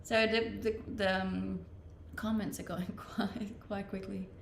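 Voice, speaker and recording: Danish-accented female streamer, gravelly, chatty and self-deprecating, echoey room with faint noise. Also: medium pitch, little pitch movement, takes it slowly. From Denmark. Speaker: Twitch streamer. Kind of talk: casual live-stream chat, reading out and answering viewer comments.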